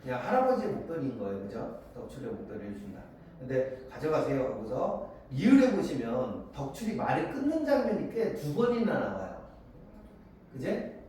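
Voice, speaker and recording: Man lecturing in an echoey classroom. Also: mid-range voice. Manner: lively and animated, keeps asking students for agreement; acts out the lines of characters and students in quick voices. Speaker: Korean literature teacher. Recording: very echoey classroom, voice far from the mic, faint hiss.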